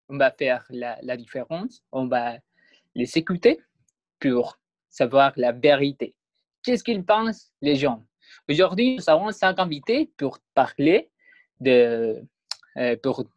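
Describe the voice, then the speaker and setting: Male podcast host, hesitant and slow, restarts often, dry recording. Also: medium pitch, no echo. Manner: halting, many restarts, learner's French. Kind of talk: hesitant scripted podcast intro.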